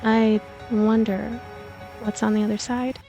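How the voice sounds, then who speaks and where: A woman's voice: a little high, level tone, unhurried, warm tone, dull audio. A woman reading a visual novel story aloud as a let's play narrator, with her own commentary, over background music. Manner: reads story aloud in character. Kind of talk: voiced game narration and commentary. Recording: music behind the voice.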